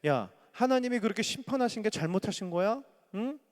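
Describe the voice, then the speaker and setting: A self-righteous friend lectures in a blunt, rude tone, as a preaching man acts him out. His lively pitch rises and falls as he scolds. The voice rings through a long, echoey hall. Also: moderate pace. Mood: scolding.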